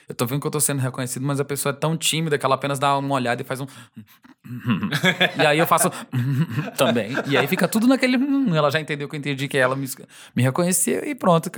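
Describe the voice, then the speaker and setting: A male singer being interviewed, talking in a relaxed, rambling way, laughing often and acting out fans' voices. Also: medium pitch, creaky. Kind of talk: casual interview conversation.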